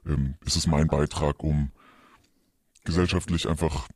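Man doing a distorted, very deep anonymous voice. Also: fairly even intonation, measured pace, slightly rough, dry recording, clean studio sound, exaggerated voice. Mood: earnest. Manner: hesitant, full of "ähm" fillers, mock-solemn. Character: anonymous male confessor hiding his identity. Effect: distorted, pitched-down anonymizing voice. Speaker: podcast co-host. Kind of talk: comedic podcast bit.

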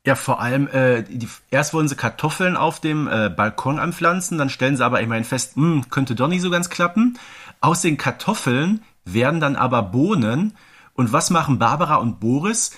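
A man's voice: mid-range voice, animated, normal speed, fairly bright tone, husky. A male podcast host with a mid-range voice, talking casually about audio drama. He is enthusiastic and stresses his points emphatically.

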